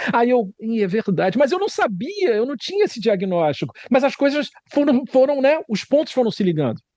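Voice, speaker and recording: Pitched extremely high, a man's voice with a dark, mellow tone swings very widely at a moderate pace. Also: hardly any pauses. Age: 60s. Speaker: comics video channel host. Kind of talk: casual interview chat.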